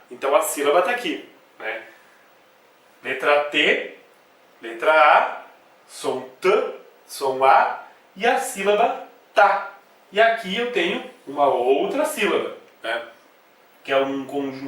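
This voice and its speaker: A Brazilian man teaches a grammar lesson to camera. He breaks each point into small steps and sounds syllables out slowly, with a bright, somewhat high voice. The camcorder sits some way off, so his voice rings through a very reverberant room. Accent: Brazilian Portuguese. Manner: explains step by step with frequent checks like "né?" and "tá?". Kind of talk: video lesson at a whiteboard. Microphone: camcorder mic away from the speaker. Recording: echoey room, voice from a distance.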